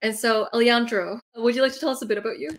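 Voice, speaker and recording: A woman hosting a group video call, upbeat and brisk as she introduces each guest. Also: a little high. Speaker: host.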